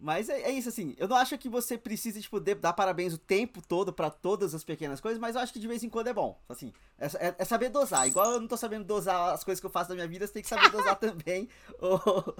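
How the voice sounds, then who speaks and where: A woman's voice: mid-range voice, expressive, fast, few pauses. A young woman, co-hosting a casual podcast chat, talking with lots of fillers. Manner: chatty, leans on fillers like "tipo assim". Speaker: podcast co-host.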